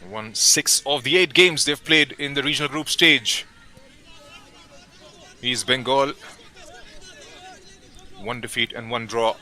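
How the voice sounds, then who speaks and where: Male football commentator, very bright voice, middle pitch, steady play-by-play calls. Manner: steady, measured calls with brief pauses between names.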